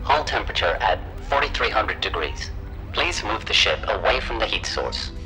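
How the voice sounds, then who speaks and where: An actor playing an impassive starship computer in a science fiction audio drama, making formal, procedural announcements. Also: male voice, lowish voice, very animated, moderate pace, pushed and bright, faint music behind, exaggerated voice, rough recording.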